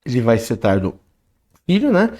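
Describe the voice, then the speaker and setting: A man teaches programming in a screen-recorded coding lesson. He explains as he types and reads the output aloud, often adding a quick "né?". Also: medium pitch, huge pitch swings, a little mellow. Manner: talks while typing code, reads output aloud, frequent "né?" and "ok?". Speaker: programming instructor.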